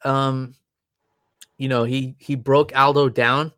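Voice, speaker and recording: A man's voice: mid-range voice, flat delivery, slow, fairly bright tone, clear, resonant tone, no room sound, clean studio sound. A man co-hosting a casual sports podcast, rambling with restarts and fillers. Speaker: podcast co-host. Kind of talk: casual chat.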